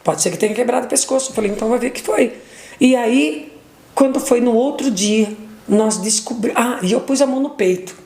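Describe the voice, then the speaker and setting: Middle-aged woman, testimony guest, slightly high voice with heavy fry, roomy recording. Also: brisk, crowd noise. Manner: retells dialogue with repeated 'aí eu peguei e falei', restarts and fillers. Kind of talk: emotional personal testimony.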